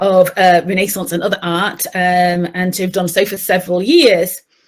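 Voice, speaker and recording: This woman has a medium-pitched voice. She talks at a fairly quick pace. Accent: British. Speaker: professor. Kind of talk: lecture. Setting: online conference.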